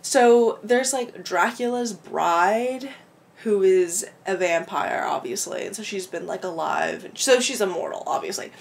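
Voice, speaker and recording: A woman's voice: medium pitch, unhurried, vocal fry. A woman with a clogged-up throat, chatting casually at home about books she read, rambling, laughing and swearing freely. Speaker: book vlogger. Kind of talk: casual book review chat. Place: home room with window open.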